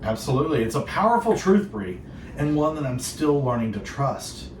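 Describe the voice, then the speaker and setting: A man's voice: mid-range voice, big pitch swings, moderate pace. A man hosting a devotional Christian radio show, speaking in an earnest, reflective and polished way. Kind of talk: devotional radio talk with co-host. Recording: roomy echo, distant, clearly noisy.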